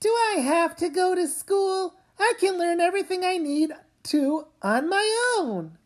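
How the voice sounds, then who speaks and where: A woman's voice: extremely high pitch, animated, unhurried, voice pushed up. A woman voicing a stubborn, argumentative young girl, an older sister in a comic read-aloud.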